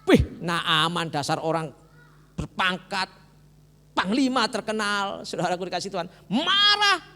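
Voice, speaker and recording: Lively East Javanese preacher in a church hall. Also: male voice, sits high, normal speed. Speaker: pastor. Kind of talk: sermon.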